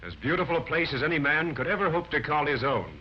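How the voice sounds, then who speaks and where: On a dull, lo-fi soundtrack from a 1940s sales training film, a narrator delivers an emphatic lecture, ticking off each point in turn. He talks fast in an animated, slightly high voice, and there's a bit of background noise.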